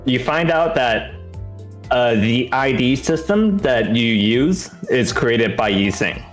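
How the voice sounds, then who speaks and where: Brief: easygoing male co-streamer, mid-pitched, lore explainer, faint game music. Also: animated, takes it slowly. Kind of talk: casual livestream chat over a game.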